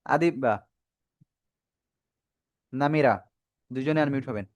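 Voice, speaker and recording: Over a video call, a man teaches children a Quran reading class, patiently prompting the pupils and praising their answers. His voice is mid-range and his pace slow.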